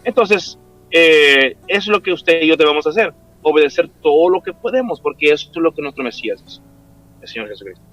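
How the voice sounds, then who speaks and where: A pastor speaking calmly on Christian radio, teaching with frequent fillers. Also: male voice, fairly high pitch, fairly quick, muffled recording, faint music behind.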